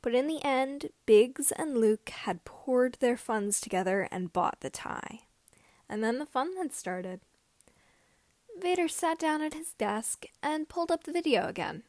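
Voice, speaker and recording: A woman narrating fan fiction like an audiobook, with slightly halting phrasing. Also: sits high, animated, a little mellow, dry recording. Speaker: podfic reader.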